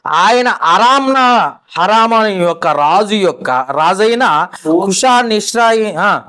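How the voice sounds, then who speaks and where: A male preacher with a high voice that leaps around wildly in pitch. He swings from loud, pleading peaks to quiet, low asides, and keeps putting questions to his listeners. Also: lively intonation, slow. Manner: asks the listeners questions directly. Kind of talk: sermon.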